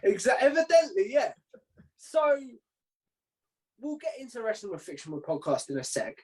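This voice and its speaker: A man's voice: high voice, sing-song, moderate pace, a little mellow, low-quality recording. A man hosting an interview in a casual, chatty style. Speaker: host interviewing a podcaster.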